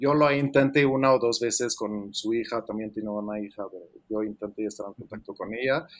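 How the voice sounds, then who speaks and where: A man with a French accent talks at a fairly quick pace with hardly any pauses, his medium pitch held in fairly even intonation. His loudness swings widely. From France. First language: French (speaking Spanish). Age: 30s. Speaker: abuse survivor and advocacy group president. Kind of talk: interview testimony.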